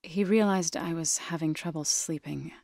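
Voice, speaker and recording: A woman playing a gentle, resolute tribal warrior in a video game, speaking in a measured, solemn, softly sincere way. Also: deep voice, vocal fry, no echo, studio quality. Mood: solemn, reflective. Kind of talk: scripted game character dialogue. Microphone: close studio microphone.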